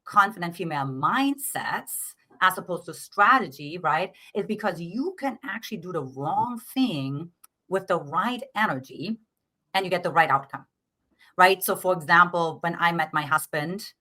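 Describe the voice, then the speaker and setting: A woman's voice: on the low side, bright, forceful tone. A middle-aged woman with a German accent, a dating coach explaining her ideas earnestly in an interview and often checking in with "right?". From Eastern Germany.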